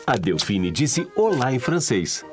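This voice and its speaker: Female cartoon narrator, very low, varied pitch, music behind. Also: very animated, unhurried.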